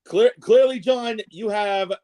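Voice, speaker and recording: A man's voice: high voice, takes it slowly, mellow. A man speaking as a guest ring announcer in a casual wrestling chat, emphatic and repeating words to press his point.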